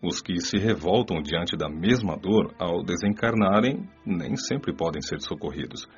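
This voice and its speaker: An actor with a Brazilian Portuguese accent playing a wise spirit doctor who teaches in a calm, paternal way. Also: male voice, low-pitched, a little slow, soft background music. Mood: gentle. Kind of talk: radio drama dialogue. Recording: dull lo-fi audio.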